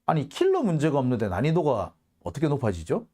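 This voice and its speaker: A man's voice: medium pitch, wildly swooping pitch, fast talker, dark tone. A man hosting a political commentary monologue, heated and sarcastic, firing off rhetorical questions.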